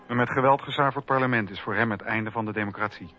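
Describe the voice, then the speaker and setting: A man's voice: on the low side, fast talker. Male radio narrator, slightly dull sound. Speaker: documentary radio play narrator. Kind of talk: scripted historical narration. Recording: dull radio recording with faint music.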